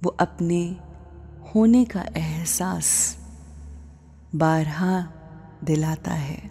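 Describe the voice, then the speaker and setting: A woman leading a devotional guided meditation, speaking in measured short phrases with pauses and an often hushed, breathy delivery. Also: low-pitched. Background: background music.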